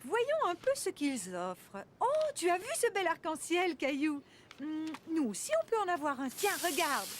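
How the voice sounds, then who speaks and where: A woman voicing a kind, playful young mother in a French-dubbed children's cartoon, gentle and encouraging. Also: high-pitched, very animated, moderate pace, a little hiss or hum. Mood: gentle, musing. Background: music.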